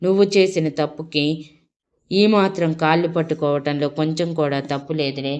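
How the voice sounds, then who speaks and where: A woman's voice: deep voice, fairly even intonation, normal speed, a little mellow, lightly acted. A woman storyteller voicing a confident young husband who speaks in a smug, playful way.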